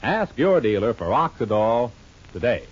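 A man announcing on an old radio broadcast, pitching a product and then narrating the soap opera in an emphatic, selling manner. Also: very animated, moderate pace. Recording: dull lo-fi old radio recording, faint music.

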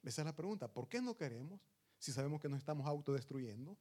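Male preacher, earnest and emphatic sermon delivery, voice sitting a bit high. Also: expressive, fast, darkish tone. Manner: earnest and emphatic, addresses listeners as brothers.

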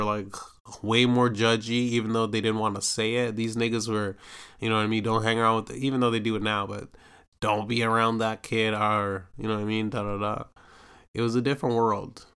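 On the low side but fairly bright, his voice sounds clear and resonant as the young Canadian podcast host spins a meandering personal story. Full of fillers and curses, the casual monologue has him acting out quoted voices with energy.

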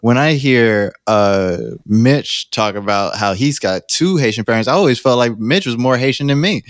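A man's voice: medium pitch, animated, moderate pace, dry recording, studio quality. Laid-back man laughing through chat. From United States. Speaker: podcast co-host. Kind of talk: casual chat.

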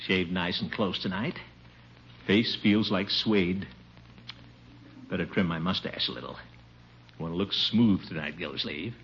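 An actor playing a pompous, boastful middle-aged bachelor in a 1950s radio sitcom, with a giggling laugh. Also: male voice, low-pitched, unhurried, pauses often. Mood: vain. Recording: dull hissy old radio broadcast.

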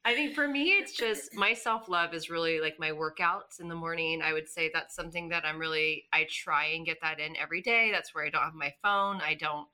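A woman in her thirties with a very bright, sharp voice, sitting in on a podcast as a guest. She speaks a little low for a woman, with an eager, gushing enthusiasm as she chats casually. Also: brisk, hardly any pauses. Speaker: boutique owner, podcast guest. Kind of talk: casual chat.

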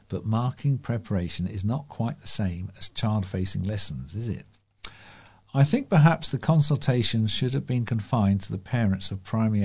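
A man's voice: fairly low pitch, warm tone, husky. A man with a British accent reading scripted local news items as a volunteer newsreader. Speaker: volunteer newsreader for a talking newspaper.

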